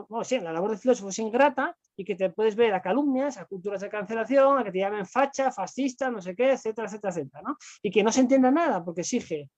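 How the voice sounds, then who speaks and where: A man talks quickly as a philosophy guest, stringing his points together with fillers and questioning tags. The sound is dry and a little dull and lo-fi, with no room around it. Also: sits high, no echo. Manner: rapid, with frequent fillers and rhetorical tags. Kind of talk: conversational explanation.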